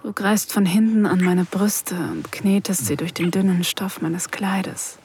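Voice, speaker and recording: A woman acting a shy, vulnerable mature woman, narrating an erotic audio drama softly and breathily, often sinking into a whisper. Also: fairly low pitch, measured pace, slight background noise, lightly acted. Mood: longing.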